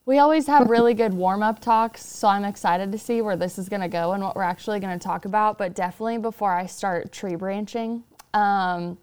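A woman's voice: mid-range voice, darkish tone, clean tone. A woman hosting a podcast interview over a video call, bubbly, enthusiastic and rambling. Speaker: podcast host. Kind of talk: casual interview chat.

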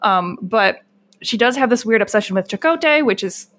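A woman co-hosting a casual show, chatting about TV episodes in a relaxed, conversational way. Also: a little high, moderate pace. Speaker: podcast co-host. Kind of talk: casual chat reviewing TV episodes.

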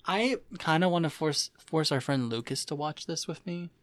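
A man's voice: on the high side, normal speed, no echo. A man whose first language is Dutch, co-hosting a podcast in an easygoing, rambling chat full of fillers. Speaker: podcast co-host.

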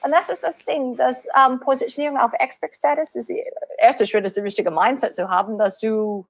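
As an interview guest, a sales and positioning coach in her late forties speaks German with an American accent, using learner's grammar and dropping into English phrases, since English is her native language. Her slightly rough voice sits on the high side, steady and fairly quick, in a dry recording.

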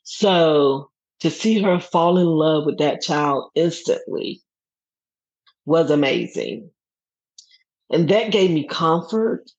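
A middle-aged woman telling a personal story as a guest, lively and laughing often as she acts out what others said. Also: low voice, slow pace, long pauses, husky. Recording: dull lo-fi recording.

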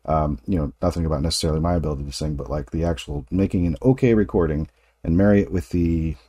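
A man's voice: extremely low pitch, quick pace, warm tone, no echo, clean studio sound. A man in his late forties hosting a casual interview, talking in a rambling, self-correcting way with frequent laughs. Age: 40s. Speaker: podcast host.

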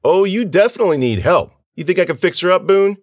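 A man's voice: fairly low pitch, wildly swooping pitch, unhurried, a bit bright, husky, no room sound, clean studio sound, voice pushed up, full character voice. A man voicing a cruel, volatile male thug's sidekick who talks crudely, in a story reading. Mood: leering. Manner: crude, taunting.

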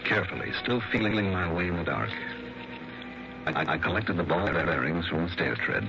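An actor playing a hard-boiled insurance investigator, narrating in terse, dry first person in a 1960s radio drama. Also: male voice, low-pitched, animated, normal speed, creaky, over music. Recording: dull lo-fi vintage radio broadcast.

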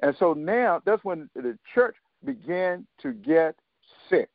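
A man in his seventies, a guest on a talk radio show, telling his story haltingly with many fillers and restarts and quoting others in dialogue. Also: sits high, lively intonation, creaky, no room sound. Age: 70s. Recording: dry, tinny phone line.

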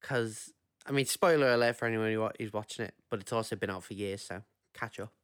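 A man co-hosting a podcast with a sleepy, husky morning voice, rambling and restarting his sentences. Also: lowish voice, fast talker, no echo, studio quality. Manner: rambling, self-interrupting. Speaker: podcast co-host. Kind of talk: casual chat.

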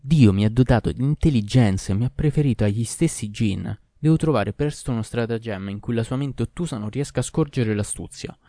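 A man's voice: medium pitch, a little fast, few pauses, warm tone, dry recording, clean studio sound, close to an everyday voice. A man voicing a poor, desperate but cunning fisherman in a storybook reading, speaking in an earnest, pleading way.

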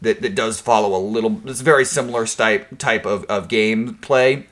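A man's voice: lowish voice, moderate pace, a bit bright. A man co-hosting a casual gaming podcast, rambling and restarting his sentences. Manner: rambling, frequent restarts and fillers. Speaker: podcast co-host.

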